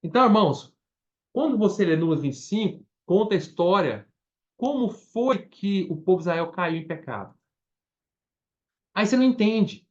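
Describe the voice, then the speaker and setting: Brazilian male preacher, high and lively, emphatic repetition, dull lo-fi recording. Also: moderate pace, long pauses. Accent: Brazilian Portuguese. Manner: animated, repeats words for emphasis. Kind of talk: Bible study sermon.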